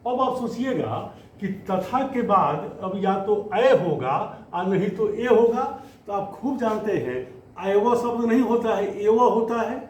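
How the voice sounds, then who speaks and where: Guy teaching hindi grammar, pretty high voice, drags out words, echoey room with a faint hiss. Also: darkish tone. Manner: explains slowly, drawing out words, addresses students as children. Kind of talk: classroom lesson.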